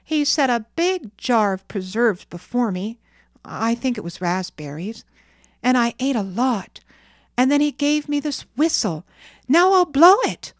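A woman's voice: on the high side, sing-song, a little slow, no echo, clean studio sound, voice pushed up. A woman voicing a cocky, boastful young boy in a storybook, chatting in a lofty, eager way.

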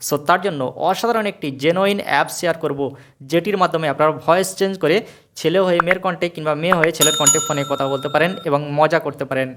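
A man presents a phone app tutorial step by step. His speech races along at a very quick pace in a somewhat high voice. He drops English words into his instructions as he goes. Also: noisy background. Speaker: tech tutorial host.

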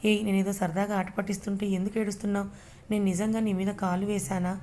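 A woman voicing a shy, anxious young woman in a spoken story, hesitant and defensive, with a mellow voice. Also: mid-range voice, flat delivery, quick pace, a little hiss or hum, natural voice. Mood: upset.

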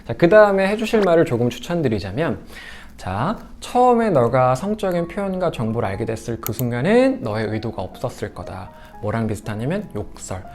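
A male sex education lecturer speaks to parents in a lively, expressive voice. His pitch rises and falls a lot as he explains, and he slips into quoted lines in an animated way. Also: brisk, few pauses, faint music behind.

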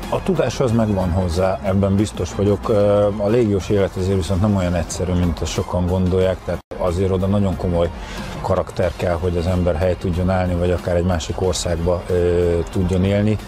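A middle-aged male coach answers in an interview with a deep voice and very little rise or fall. Music runs clearly behind him. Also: flat delivery. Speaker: football coach being interviewed.

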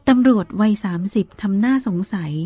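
A woman reading a Buddhist novel aloud in a calm, measured storytelling manner, with soft music behind her. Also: mid-range voice, no room sound. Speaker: narrator.

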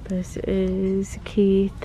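A woman's voice: medium pitch, monotone, very slow, warm tone. A woman giving casual, chatty shop-with-me commentary, thinking aloud as a vlogger inside a store. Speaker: shopping vlogger. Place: inside a large retail clothing store. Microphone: handheld camera mic, speaker behind camera. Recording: faint background noise, store ambience.

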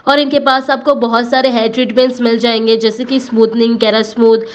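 A woman's voice: on the high side, little pitch movement, a little fast. An Indian woman vlogger narrating a scripted voice-over, switching between Hindi and English phrases. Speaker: vlogger reviewing a salon.

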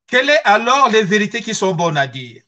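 A middle-aged guest speaker from Congo-Brazzaville gives an earnest, emphatic personal testimony about history and identity, using rhetorical questions. He has a Congolese accent and a high, sharp voice with big pitch swings, talking a bit fast. He's on a video call from a small furnished room at home.

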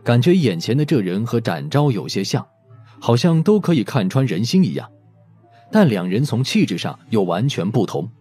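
A man narrating an audiobook story in an expressive, scripted storytelling style. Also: mid-range voice, normal speed, breathy edge. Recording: music behind the voice.

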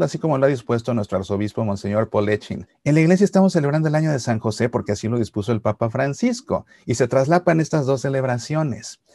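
A middle-aged man giving a Catholic reflection to camera, explaining patiently and slowing for solemn lines. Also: medium pitch, no echo, studio quality. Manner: warm explanatory storytelling, slows for solemn lines. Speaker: Catholic YouTuber. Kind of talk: reflective religious talk to camera. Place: Seattle archdiocese series.

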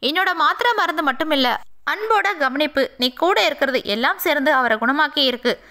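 Casting: woman reading a kindly middle-aged doctor, warm and reassuring, in a bright, high voice. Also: lively intonation, normal speed. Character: middle-aged male family doctor, friendly.

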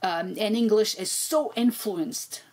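French-native woman guest on a video call, animated chat, words tumbling out. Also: medium pitch, takes it slowly, slightly rough, rough recording. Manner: animated, expressive, repeats words when excited. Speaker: guest, poet and translator. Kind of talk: casual conversational interview. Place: home room with bookshelves.

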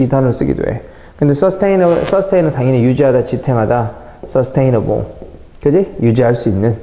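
A middle-aged man teaching English vocabulary in a lively classroom lecture, mixing English phrases into his explanations and talking to his students as kids. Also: mid-range voice. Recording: echoey classroom with faint noise.

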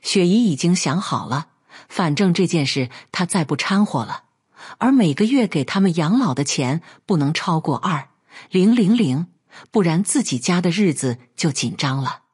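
A woman narrating a family drama as a storyteller, in calm scripted narration. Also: on the low side, normal speed, breathy edge.

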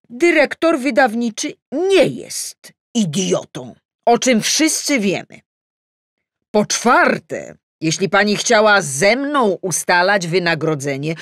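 A woman's voice: medium pitch, no room sound, clean studio sound, voice pushed up. A woman voicing an exasperated, self-pitying male editor-in-chief in an audiobook, ranting emphatically. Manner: emphatic, ranting in numbered points. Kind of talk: audiobook character acting.

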